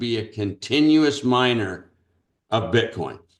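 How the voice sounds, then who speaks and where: The background stays quiet while a man talks with lively intonation. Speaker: tech company CEO. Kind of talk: interview talk. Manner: hesitant, with fillers.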